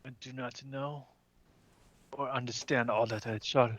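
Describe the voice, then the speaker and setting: A man's voice: mid-range voice, steady tone, a little slow, a bit bright, natural voice. A man voicing a huge aloof Earthbound being who talks formally and stiffly, without contractions. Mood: solemn.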